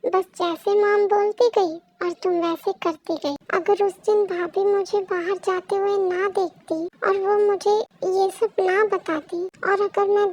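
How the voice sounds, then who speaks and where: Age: young adult. Figure: a woman voicing a stern young husband. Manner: firm, scolding. Pitch: very high. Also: gravelly, darkish tone, full character voice. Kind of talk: audio story read-aloud.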